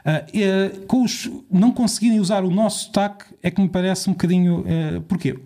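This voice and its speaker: Fast-talking European Portuguese man explaining. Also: sits high, fairly even intonation, dark tone. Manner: explains at length, poses rhetorical questions. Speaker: podcast guest on language. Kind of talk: casual conversational explaining.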